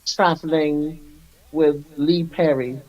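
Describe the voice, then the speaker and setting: An older man, a music artist recalling his career in an unhurried, reflective way as a radio guest. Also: a little high, fairly even intonation, muffled recording. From Jamaica. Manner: unhurried, reflective, laughs often. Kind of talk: radio interview.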